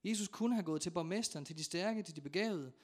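Male preacher, slightly high voice, dramatic storyteller who acts out the voices in a church sermon. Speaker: pastor.

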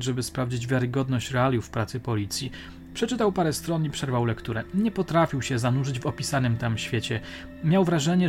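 A man narrating a crime audiobook in a measured, dramatic storytelling manner. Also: medium pitch, a little mellow. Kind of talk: audiobook reading.

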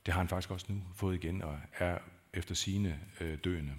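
A man's voice: low voice, fairly even intonation. A man preaching a sermon in a church, talking in a conversational, searching way that builds to emphatic peaks. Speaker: pastor.

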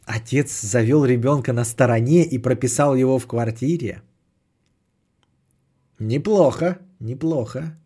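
A man's voice: medium pitch, a little slow, dark tone, breathy edge. A man hosting a podcast, chatting casually and sardonically as he answers audience messages, often swearing and repeating phrases. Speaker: podcast host.

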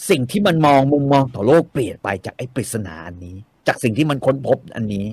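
A man's voice: mid-range voice, expressive, fast talker, darkish tone, husky, no echo. A man talking casually and animatedly about novels, swearing freely and repeating words for emphasis. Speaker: guest discussing novels. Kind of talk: casual chat.

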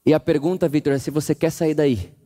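A preacher voicing a calm, gentle Jesus. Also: male voice, on the high side, brisk, natural voice. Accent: Brazilian Portuguese. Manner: calm, quiet, inviting.

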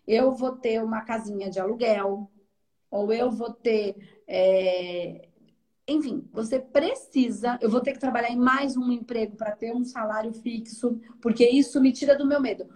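A woman with a Brazilian accent, speaking in a fairly high voice as an energy therapist mentoring a student. She explains in an animated, conversational way and often asks whether her point has landed. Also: a little slow. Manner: animated and explanatory, often checking understanding with tag questions.

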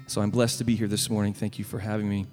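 A man's voice: fairly low pitch, flat delivery, soft background music. Earnest Southern man between worship songs. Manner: earnest and gentle, with frequent pauses. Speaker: guest worship leader. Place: church sanctuary. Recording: long reverb from a large church hall.

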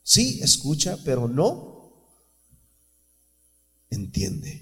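A man's voice: medium pitch, huge pitch swings, extremely slow, fairly bright tone, in a large hall, soft background music. A man preaching a sermon in a church, fervent and conversational, often calling the listener "brother". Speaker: pastor.

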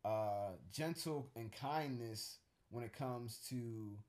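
A man's voice: medium pitch, takes it slowly, darkish tone. Easygoing man musing with lots of fillers. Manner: rambling, thoughtful, many fillers and restarts. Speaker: co-host. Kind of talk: casual podcast chat.

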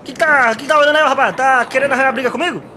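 A man's voice: very high voice, racing, bright, forceful tone, heavily acted. A man playing a belligerent, oblivious fellow who rambles and stammers in a Brazilian accent in an amateur comedy radio play. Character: belligerent, oblivious drunken-sounding man called Valdir. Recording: clear background noise.

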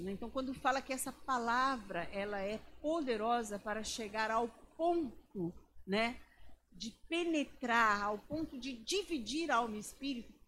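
A woman preaches a sermon in a chatty, storytelling way, often checking in with tag questions. Her voice sits a little high for a woman. A faint hiss of noise lies under the recording. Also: fairly bright tone.

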